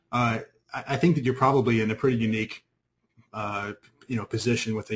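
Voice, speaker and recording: Somewhat breathy, a man talks at a very fast pace with fairly even intonation. Light background noise sits behind him. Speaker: webinar host. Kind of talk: webinar introduction and moderating. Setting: online webinar. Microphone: video call.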